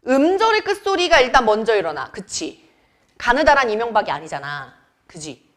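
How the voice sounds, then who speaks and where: A young woman gives a classroom grammar lecture in a chatty way, firing quick questions at her students. Her voice sits a little high and swings widely in pitch. She keeps checking that the class is following. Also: very animated, a bit bright. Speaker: Korean grammar teacher.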